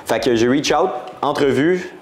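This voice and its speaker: A man's voice: medium pitch, unhurried, a little hiss or hum. A young man in his twenties with a Quebec French accent, telling his story in a casual interview, rambling and slangy, dropping English words. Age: 20s. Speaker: guest entrepreneur.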